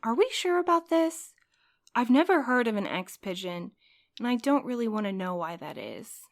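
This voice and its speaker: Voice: mid-range voice, animated, moderate pace, lightly acted. An actor voicing a cautious, rule-minded courier in an audio drama who worries and protests. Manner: anxious, protesting, a bit prim. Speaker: night courier Milo.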